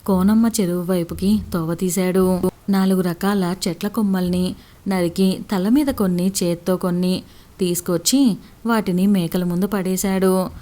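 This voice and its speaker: A woman tells a village story in a steady, even way. Her voice sits low and mellow, warm rather than bright, suited to scripted narration. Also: normal speed.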